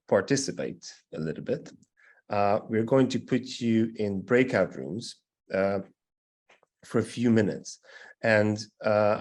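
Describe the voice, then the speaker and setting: A man's voice: on the low side, darkish tone, slightly rough. A man hosting an online teacher meetup, giving friendly step-by-step instructions and often checking in with "right?" and "okay?". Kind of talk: casual instructions on a video call. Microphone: video call.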